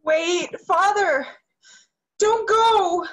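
A woman's voice: very high voice, very slow, fairly bright tone, heavily acted, rough recording. A young woman acting an earnest, grieving young soprano devoted to her father in a dramatic play reading. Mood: elated, pleading. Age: young adult. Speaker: actress in a virtual staged reading. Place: indoor room, video call. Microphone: video call microphone.

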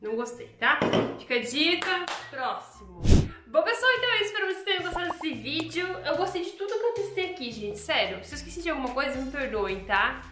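Speaking fast in a high-pitched, lively voice, a Brazilian woman with a Brazilian Portuguese accent jokes with viewers while testing kitchen gadgets at home. The casual product-testing chat is recorded in an echoey room with music in the background.

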